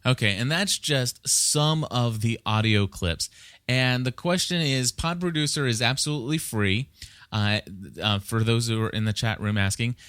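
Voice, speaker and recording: A man talks as a podcast host in a casual, explanatory style. His pitch sits in the middle range and he wanders into conversational asides. The sound is close and dry, with very little room in it. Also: moderate pace, fairly bright tone, clear, resonant tone, dry recording, faint music behind.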